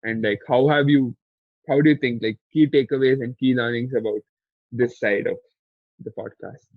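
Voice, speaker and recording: A man's voice: medium pitch, steady tone, moderate pace, no room sound. A man asking the host long, meandering questions in a casual podcast interview, with many "uh" fillers. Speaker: guest interviewer. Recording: tinny phone-like line, dry.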